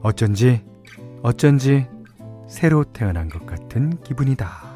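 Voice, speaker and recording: A man hosting a radio program, reading listener stories and chatting about them. He speaks in an easy, relaxed way at a mid pitch and chuckles often. Soft guitar music plays faintly under his voice. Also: measured pace. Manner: relaxed, chuckling, many fillers. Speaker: radio DJ host.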